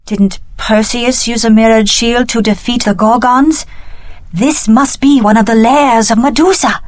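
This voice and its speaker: Video game companion: young woman adventurer voiced by an actress, lightly high-pitched, observant and wry, very dry studio sound. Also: fairly even intonation, a little slow, dry recording, lightly acted. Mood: alarmed. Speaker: video game character actor.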